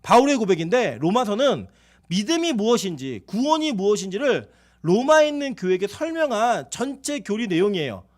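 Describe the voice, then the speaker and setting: A male pastor preaching a sermon in a church, swinging from loud peaks to quiet asides and telling self-mocking stories. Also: high-pitched, big pitch swings, fairly quick. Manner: tells a self-mocking story about his own life. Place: church sanctuary.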